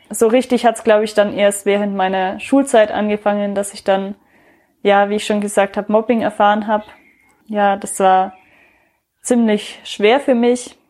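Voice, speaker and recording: Pausing often and at length, a woman speaks at a medium pitch in a monotone, flat way against a quiet background. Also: moderate pace. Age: 20s. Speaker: student youth worker in training. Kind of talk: personal testimony in interview. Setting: guest's room in shared flat.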